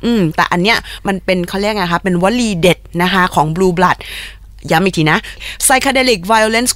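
A chatty young woman hosts a casual explainer podcast on a close mic. Her voice sits at a middle pitch and sounds dry, with no room around it. She keeps things playful, repeats soft polite particles and mixes in Japanese words. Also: dry recording. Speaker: podcast host.

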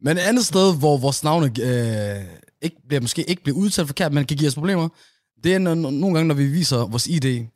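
A man's voice: a little high, dry recording, clean studio sound. A young man co-hosting a casual podcast chat, telling stories with lots of laughter. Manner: animated, laughing, storytelling. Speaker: podcast co-host.

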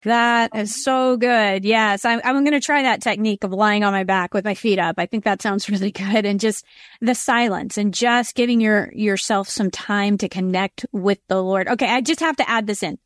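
A woman hosting a faith-based parenting podcast, bubbly and quick to laugh. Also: medium pitch, no echo, clean studio sound. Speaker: podcast host. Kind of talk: conversational interview.

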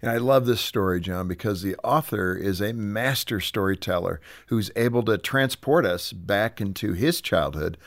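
Low, creaky-voiced man hosting. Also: normal speed, hardly any pauses, dry recording, studio quality. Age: middle-aged or older. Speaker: radio show host. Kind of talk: conversational broadcast chat.

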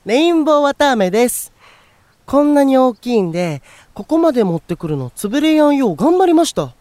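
A friendly boyish young man, high soft mellow voice, lots of bounce, audio drama. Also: very animated, a little fast, no room sound. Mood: cheerful. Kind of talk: Japanese voice drama acting.

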